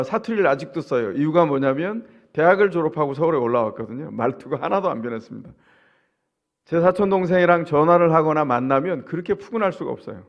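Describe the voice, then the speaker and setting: A male pastor from Chungcheong, South Korea, preaches a sermon in a conversational style, frequently putting rhetorical questions to his congregation. His voice is on the high side, and the sound is lo-fi.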